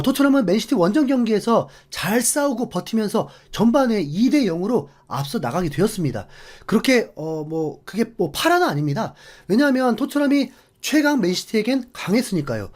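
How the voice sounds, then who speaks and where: A man hosting a football channel, narrating a scripted match commentary with many fillers. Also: high voice. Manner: animated, filler-heavy explanatory talk. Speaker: sports channel host.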